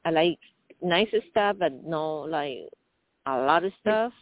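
A woman in her fifties calling in, talking haltingly with many fillers. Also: low-pitched, animated. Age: 50s. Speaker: caller. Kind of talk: phone-in call. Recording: tinny phone line.

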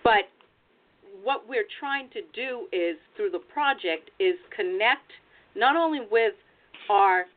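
An American woman with a mid-range voice and lively intonation speaks slowly as a genealogy researcher, offering practical advice in an explanatory webinar over a video call. The audio sounds tinny, like a phone-quality online call.

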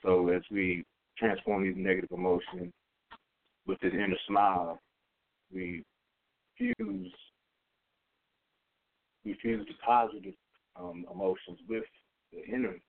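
A man's voice: low-pitched, expressive, unhurried, gravelly, pauses often. A man teaching a guided meditation in an informal, rambling, colloquial way, in a dull lo-fi recording. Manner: rambling, colloquial, frequent tag questions. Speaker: meditation teacher leading a class. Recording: dull lo-fi audio.

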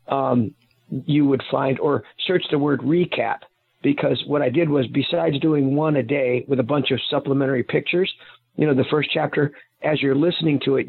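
Heard by phone during a phone-in interview, a male guest author and private investigator gives long, rambling explanations, often restarting and correcting himself. His voice is mid-range, slightly rough, with vocal fry.

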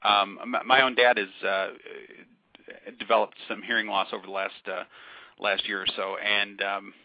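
A man co-hosting a podcast, explaining science news thoughtfully, often pausing and restarting his sentences. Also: on the low side, little pitch movement, no echo. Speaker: podcast co-host. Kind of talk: casual discussion of science news. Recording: dull lo-fi call audio.

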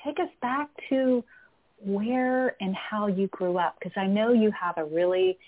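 A woman's voice: mid-range voice, unhurried. A woman hosting a radio interview show, asking her guest questions in an appreciative way. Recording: phone-line audio.

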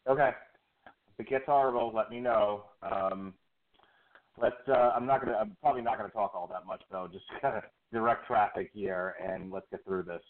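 A man's voice: on the low side, moderate pace. A man hosting a podcast discussion over a call, laid-back and hesitant, his voice sounding tinny, as if on a speakerphone. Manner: relaxed, hesitant, with fillers and small laughs. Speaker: podcast host moderating the discussion. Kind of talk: casual chat. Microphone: Bluetooth headphones over a call. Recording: thin phone-like call audio.

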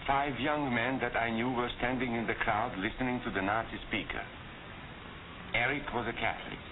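An actor playing a calm, earnest male émigré professor who patiently explains. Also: mid-range voice, normal speed, close to an everyday voice. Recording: tinny hissy old film soundtrack.

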